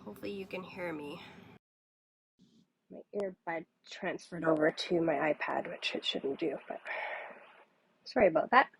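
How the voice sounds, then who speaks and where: A woman's voice: lowish voice, expressive, moderate pace, gravelly, pauses often, a bit bright, slightly rough, poor audio. Nasal woman with a cold. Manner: chatty, greets viewers by name. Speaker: papercrafting demonstrator. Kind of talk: casual livestream chat. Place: home craft table.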